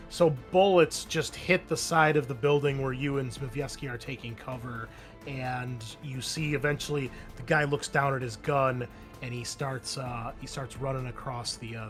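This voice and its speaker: A man's voice: medium pitch, a bit bright. A man narrating a tabletop roleplaying game as game master, mixing descriptive scene-setting with informal rules talk.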